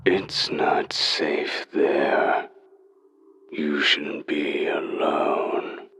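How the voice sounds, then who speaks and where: An actor playing an ominous male caller in a horror game, giving warnings in a breathy whisper. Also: rumbling low, little pitch movement, extremely slow, a bit bright, exaggerated voice.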